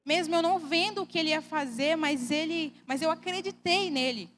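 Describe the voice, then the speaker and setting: A woman's voice: high voice, moderate pace, a bit bright, a little hiss or hum. A young woman from Brazil sharing a personal testimony in church, speaking earnestly and emotionally in a conversational way.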